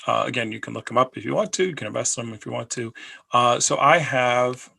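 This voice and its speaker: A man's voice: mid-range voice, a little fast, gravelly, bright, forceful tone, breathy edge. A man hosting a personal finance video, talking casually and rambling, with many fillers and repeated phrases. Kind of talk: casual talk to camera.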